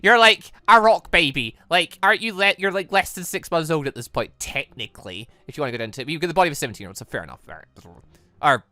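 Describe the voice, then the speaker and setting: A man's voice: on the high side, animated, quick pace, pushed and bright, no echo. A man giving chatty, rambling let's play commentary, often correcting himself as he goes, close on the mic. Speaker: gaming channel host. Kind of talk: let's play commentary with read-aloud dialogue.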